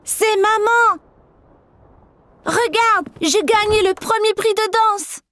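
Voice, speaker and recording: A woman's voice: very high voice, slow, fairly bright tone, no room sound, heavily acted. A woman playing an eager, curious four-year-old boy with a childlike voice in a cartoon. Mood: excited, proud. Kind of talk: cartoon dialogue.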